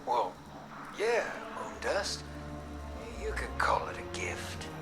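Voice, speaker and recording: A man's voice: a little high, huge pitch swings, slow pace, whispered, full character voice. A man playing a roguish, folksy drifter in a video game, wisecracking and teasing in a laid-back drawl. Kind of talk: video game dialogue acting. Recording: music behind the voice.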